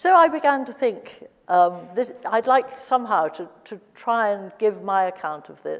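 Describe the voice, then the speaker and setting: A woman's fairly high voice in a British RP accent, with a fairly slow pace and very wide pitch swings. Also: hardly any pauses, big swings in loudness. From England. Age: 80s+. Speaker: biographer and memoirist. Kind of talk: onstage interview. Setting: stage with audience. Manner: halting.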